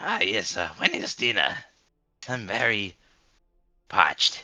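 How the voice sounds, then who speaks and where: A man's raspy, put-on character voice at a medium pitch and a fairly slow pace. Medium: actual play. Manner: polite, chatty.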